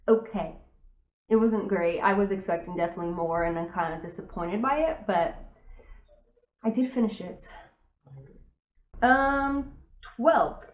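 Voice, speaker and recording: A woman's voice: medium pitch, reverberant. A young woman, a teacher, chatting casually through a book tag with lots of fillers and emphatic opinions.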